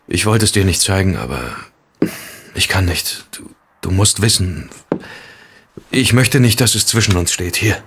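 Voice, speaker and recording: An actor playing a gentle young man who speaks softly and hesitantly to comfort his partner. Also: low-pitched, a little slow, long pauses, slight background noise. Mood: tender.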